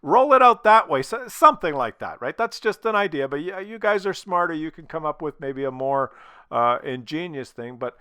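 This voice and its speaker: A man's voice: fairly high pitch, expressive, normal speed, sharp tone, clean tone, no echo. A man talking casually to his viewers, blunt and opinionated, swearing freely, while losing his voice from a cold. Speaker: gaming video creator.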